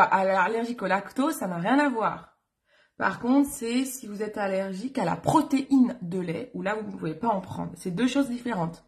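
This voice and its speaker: A woman's voice: medium pitch, darkish tone. A woman chatting casually on a live stream while doing her makeup, rambling with many fillers and self-corrections. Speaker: beauty vlogger on a live stream.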